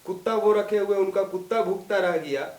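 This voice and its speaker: High-voiced hesitant male reporter, off mic. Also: moderate pace, a little mellow, reverberant, recorded from a distance. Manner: hesitant, with restarts and filler sounds. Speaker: field reporter and co-host. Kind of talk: studio news discussion.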